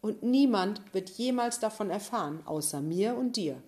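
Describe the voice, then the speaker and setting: A woman voicing a boastful, bullying schoolboy who talks in a smug, menacing way, raised and loud, in a storybook reading. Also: medium pitch, expressive, moderate pace, voice pushed up, close to an everyday voice. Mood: smug threatening.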